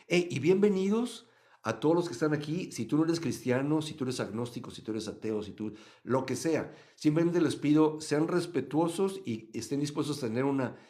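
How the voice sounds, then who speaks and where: A man from Mexico, teaching a live Bible study and answering chat comments, swinging between loud emphasis and quiet asides. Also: medium pitch. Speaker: Christian livestream teacher.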